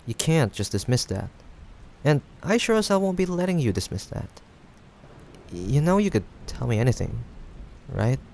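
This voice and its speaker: A young man playing a playful, caring friend in a casual improvised audio roleplay, teasing yet reassuring, with hesitant pauses. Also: mid-range voice, very animated, vocal fry, a little mellow. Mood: concerned. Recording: faint background noise, rain ambience. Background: rain sound effects.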